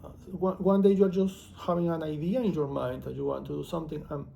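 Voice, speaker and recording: A man with a Venezuelan Spanish accent talks casually to camera, wandering from topic to topic with a self-deprecating humor. His voice sits a little high for a man, with a gravelly fry and a dark, mellow tone. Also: flat delivery, fast, slight background noise. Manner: chatty, digressive, self-deprecating. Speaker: author and vlogger.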